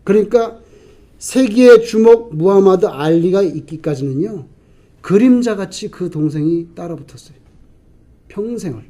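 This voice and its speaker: A man preaching a sermon as a pastor, putting rhetorical questions to the congregation and answering them himself, swinging between loud emphasis and quiet asides. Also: sits high, expressive, unhurried.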